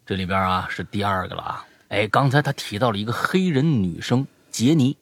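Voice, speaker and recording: Animated husky male podcast host. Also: on the low side, fairly quick, no echo. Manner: animated storytelling, drops to a whisper for suspense. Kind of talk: retelling listener stories in casual chat.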